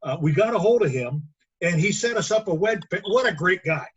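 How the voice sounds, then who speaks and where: A man chatting casually at a club meeting in a halting, rambling way. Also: high voice, expressive, breathy edge, lo-fi sound. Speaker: radio club member.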